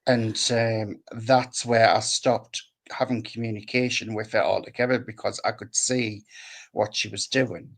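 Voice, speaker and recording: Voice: mid-range voice, fairly even intonation, measured pace. A guest on a live stream telling a rambling story, hesitating with many ums. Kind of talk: casual live stream chat.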